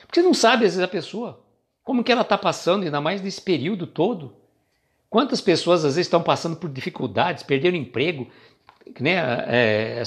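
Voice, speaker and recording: A Brazilian man hosting a spiritist reflection stream, talking casually and greeting viewers by name. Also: fairly high pitch. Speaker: host of a spiritist reflection livestream.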